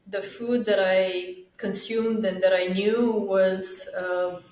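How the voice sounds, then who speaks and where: A woman's voice: mid-range voice, steady tone, slow, darkish tone, echoey room, poor audio. A woman from Romania, a summit co-founder, talks casually in an interview and often hesitates with fillers and restarts.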